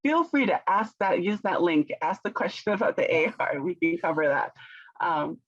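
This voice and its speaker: A woman speaks English as her second language, pausing to find the right word and laughing lightly between thoughts. The sound is dry and a bit muffled, as if on a modest mic. She is a company founder explaining her services in an interview. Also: lowish voice, expressive, no echo. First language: not English. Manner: thoughtful, searches for words, laughs often. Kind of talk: conversational business interview.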